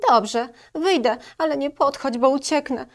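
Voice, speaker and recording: Reading a children's storybook, a woman voices a timid, easily frightened male wolf, pitching her voice high and above her own natural voice. The delivery is a little slow, anxious, hesitant, and fearful.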